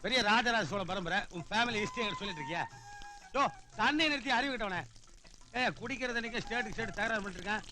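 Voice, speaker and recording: Actor playing a ranting sarcastic son-in-law. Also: male voice, sits high, quick pace, close to an everyday voice. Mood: scolding. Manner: scolding, sarcastic rants. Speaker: film comedy character. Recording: film soundtrack with music.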